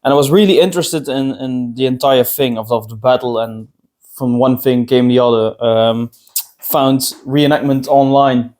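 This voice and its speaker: A man from Belgium whose first language is Dutch, co-hosting a casual podcast chat in an unhurried way. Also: mid-range voice, steady tone, a little mellow. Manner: slow and unhurried, laughs often. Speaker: podcast co-host.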